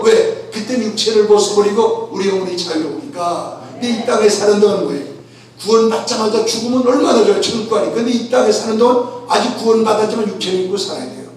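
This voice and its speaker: A man's voice: high voice, darkish tone. A middle-aged pastor preaching a sermon, acting out a story with his son and firing rhetorical questions. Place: church sanctuary. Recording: echoey church hall, far from mic.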